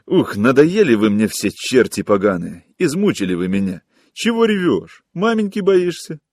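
A man voicing a coarse, hostile young woman who mocks and scolds in shrill, harsh taunts. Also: very animated, a little slow, breathy edge, dry recording, clean studio sound, exaggerated voice. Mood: mocking.

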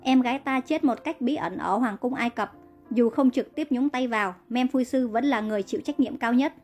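A woman's voice: fairly high pitch, brisk, a little mellow, soft background music, natural voice. A woman reading the part of a cold, commanding young male prince in a narrated story.

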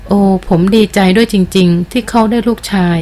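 A calm, seasoned male jungle hunter from an audiobook adventure, as a woman reads him. He speaks in a polite, measured, easygoing way at a middle pitch. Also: lightly acted. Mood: pleased.

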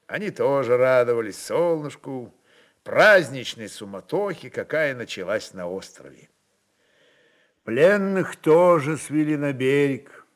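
A man's voice: mid-range voice, big pitch swings, a little slow. A man reading literary prose as a narrator, in a dramatic scripted storytelling style.

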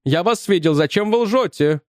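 A man voicing an agitated older male physics professor with a shrill voice, accusing and insistent. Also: expressive, normal speed, no echo, studio quality. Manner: accusing, insistent, increasingly frantic.

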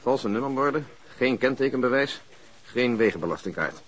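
A man's voice: medium pitch, animated, normal speed, natural voice. An actor playing a dry, methodical male police investigator in a radio drama, reporting in a clipped, matter-of-fact way. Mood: dry, factual.

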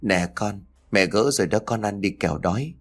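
Give me a patient old grandmother speaking gently, as a man narrating puts her on. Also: fairly low pitch, animated, moderate pace. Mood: pleading. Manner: soft, pleading, humble.

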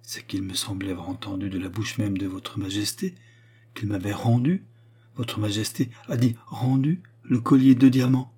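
A man's voice: lowish voice, fairly even intonation, normal speed, dark tone, slightly rough. A man voicing a frightened jeweller in a storybook, deferential yet desperate in his protests. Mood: trembling disbelief. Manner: deferential, agitated, pleading protest. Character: flustered, frightened male jeweller, respectful and desperate.

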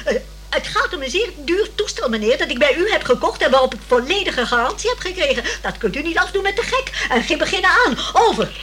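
Fussy, excitable elderly lady. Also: high voice, fast talker. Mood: indignant. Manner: flustered, stammering, chattering, insistent. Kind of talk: radio play acting. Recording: slightly noisy old radio play recording.

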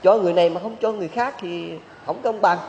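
A man's voice: high-pitched, quick pace, a little mellow, a little hiss or hum, pitched above the performer's own voice. A man voicing a proud rich man who lectures as he refuses. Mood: refusing. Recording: dull hall recording with long reverb.

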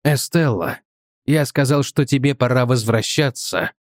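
A man voicing a weary, calm old male professor in an audiobook, low and unhurried. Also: no room sound, studio quality, close to an everyday voice. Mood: gentle. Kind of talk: audiobook character voice.

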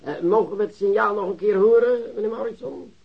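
An actor playing an excitable, self-satisfied police chief in a Dutch radio drama, pompous and commanding. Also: male voice, high voice, brisk, creaky, breathy edge, exaggerated voice. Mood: self-important. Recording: muffled radio drama recording.

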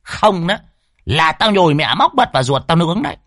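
A man's voice: a little high, very animated, a little fast, fairly bright tone, dry recording, clean studio sound, pitched above the performer's own voice. A man voicing a fat, fierce old woman exorcist in a horror story, scolding and threatening in coarse bursts. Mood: scolding threats.

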